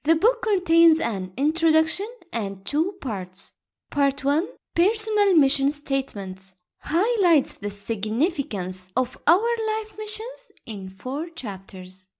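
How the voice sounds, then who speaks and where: High, mellow woman narrator reading slowly. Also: sing-song. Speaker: voice-over narrator. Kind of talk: scripted audiobook-style narration.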